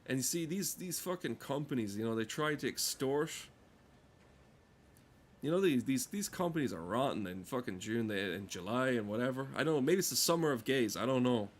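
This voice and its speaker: A man's voice: mid-range voice, expressive, fairly quick. A man giving crude, comedic, rambling commentary while playing a game, swearing often. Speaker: gamer talking over gameplay.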